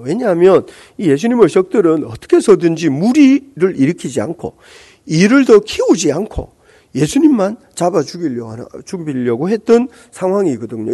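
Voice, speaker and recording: A middle-aged man with a Gyeongsang accent preaches a sermon in a somewhat high, gravelly voice. His tone is mellow and dark, but his pitch swings widely as he explains the text. He asks the congregation rhetorical questions and stops on frequent hesitant fillers. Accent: Gyeongsang Korean. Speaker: pastor.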